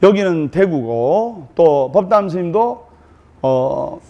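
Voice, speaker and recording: A man, a Buddhist monk with a Gyeongsang accent, telling jokes in a dharma talk with slow, deliberate pauses. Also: a little high, animated, dark tone, muffled recording. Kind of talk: humorous dharma talk to an audience.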